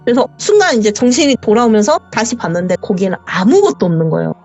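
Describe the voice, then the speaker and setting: Animated woman caller on a muffled line. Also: fairly high pitch, fast, soft background music. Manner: vivid, acts out the dialogue. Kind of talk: telling a true ghost story. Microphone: voice call. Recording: dull lo-fi voice call.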